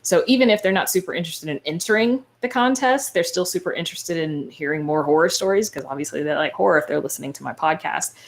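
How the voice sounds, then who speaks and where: A woman's voice: on the low side, fast talker, hardly any pauses. A woman speaking as a podcaster on a panel, giving informal, explanatory advice in a conversational way.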